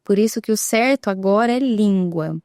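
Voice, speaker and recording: A woman's voice: mid-range voice, moderate pace, darkish tone, dry recording, studio quality. A woman with a Brazilian Portuguese accent, a guest on a talk show, patiently explaining and often checking in with tag questions. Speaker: guest, sign language expert.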